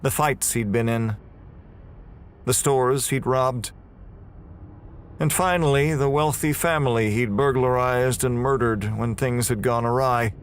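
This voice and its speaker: A man playing a frightened prison inmate, giving a grim, deliberate first-person horror narration. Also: medium pitch, a little hiss or hum, close to an everyday voice. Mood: bitter dread. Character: terrified, bewildered male prison inmate recounting horror. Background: music.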